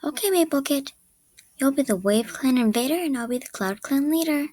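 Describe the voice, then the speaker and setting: A woman's voice: high voice, lively intonation, a little fast, darkish tone, no echo, voice pushed up. A woman voicing a childlike young kitten from a cartoon cat clan, reading animation audition lines. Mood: playful. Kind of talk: animation audition line reads.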